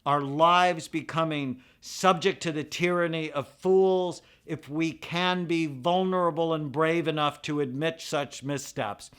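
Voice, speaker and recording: Smooth, higher-voiced man reading. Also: fairly even intonation, measured pace, few pauses, a bit bright. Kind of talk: scripted inspirational reading of a manifesto.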